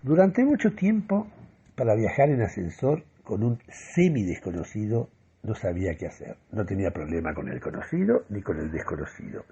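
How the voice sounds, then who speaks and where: A man's voice: lowish voice, gravelly, dark tone, slightly rough, dull audio. A man performing a comic first-person radio monologue in a theatrical, mock-solemn manner. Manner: dramatic, mock-solemn delivery.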